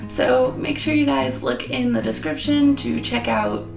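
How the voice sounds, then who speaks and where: A young woman reviewing an app in a chatty, earnest, rambling way, hoarse as she loses her voice. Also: high voice, measured pace. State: losing her voice. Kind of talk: casual review vlog. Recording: echoey room with guitar music.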